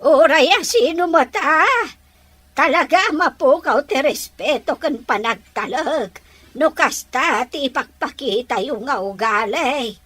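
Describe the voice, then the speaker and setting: A woman acting as an indignant older female relative in an audio drama, scolding emphatically with drawn-out words. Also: high voice, sharp tone, no room sound, heavily acted.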